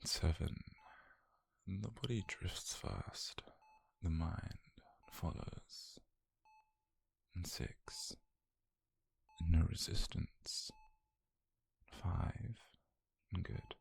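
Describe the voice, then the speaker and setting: A British man playing a detached, clinical scientist in a whispered ASMR roleplay, measured and softly controlling, murmuring notes on a captive subject. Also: exaggerated voice. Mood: hushed, controlling. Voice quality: breathy, gravelly low murmur.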